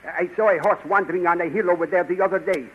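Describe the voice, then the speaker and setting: An actor playing a cautious older male scientist in a 1930s radio drama, formal and measured in his speech. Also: high voice, fairly even intonation, lightly acted. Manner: formal, measured, stiff phrasing. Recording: dull, hissy 1930s radio transcription.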